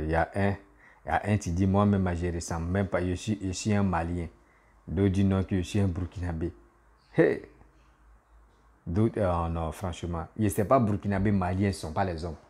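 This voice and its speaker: Male comedian-vlogger, deep warm voice, animated and repetitive. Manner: animated, repetitive, laughs at himself. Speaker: comedian and YouTuber. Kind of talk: casual political commentary vlog.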